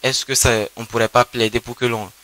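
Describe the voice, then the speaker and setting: A man's voice: mid-range voice, flat delivery, fairly quick, pushed and bright. A man with a West African French accent asking a spontaneous question from the audience, searching for his words.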